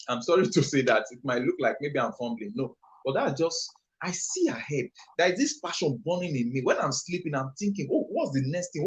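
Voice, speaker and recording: A Nigerian-accented entrepreneur and youth trainer, appearing as a guest on a live stream, answers an interview question with passion and emphasis, rambling as he goes. His voice is medium-pitched and the audio quality is poor.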